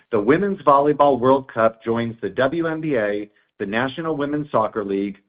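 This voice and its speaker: A man working as a chief executive delivers scripted remarks on an earnings call. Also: mid-range voice. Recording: tinny phone-line conference call.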